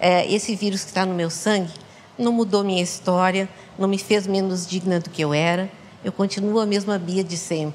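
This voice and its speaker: Noticeable background noise sits under a woman's voice. She talks at a moderate pace with a monotone, flat intonation. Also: medium pitch for a woman. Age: 60s. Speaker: person living with HIV, TV guest. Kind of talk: TV interview.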